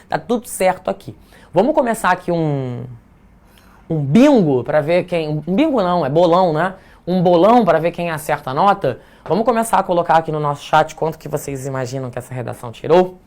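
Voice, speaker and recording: A Brazilian man teaching a live online writing class, in a chatty, playful way that keeps checking in with the audience. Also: on the high side. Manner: chatty, playful, tags remarks with "tá?".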